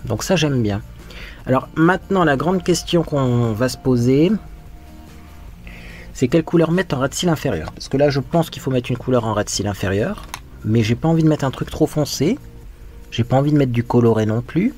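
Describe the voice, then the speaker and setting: Faint music plays behind a male makeup vlogger whose mid-range voice is expressive, a little mellow and at normal speed. He chats frankly through his get-ready-with-me routine, often thinking aloud.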